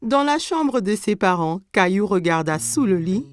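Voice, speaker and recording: A woman's voice: medium pitch, lively intonation, normal speed. A woman narrating a scripted children's cartoon story. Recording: music under the voice.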